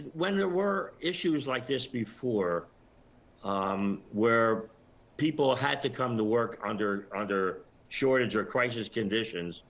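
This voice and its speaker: An older man giving commentary as an expert guest in a live news interview, explaining things in a measured, halting way. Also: medium pitch, fairly bright tone, low-quality recording. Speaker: retired air traffic controller, interview guest.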